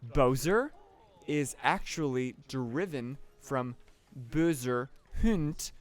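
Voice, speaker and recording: A man's voice: mid-range voice, animated, slow pace. A man co-hosting a video game let's play, a chatty storyteller who likes sharing fun facts. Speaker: co-host of a gaming let's play. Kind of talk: casual chat while playing a video game.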